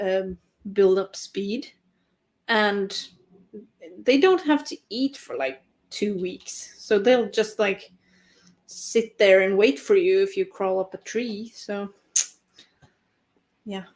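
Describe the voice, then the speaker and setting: A woman's fairly high voice with a Norwegian accent, very slow and lively in intonation, with long, frequent pauses. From Norway. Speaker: writer streamer. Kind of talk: casual livestream chat. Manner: chatty with fillers.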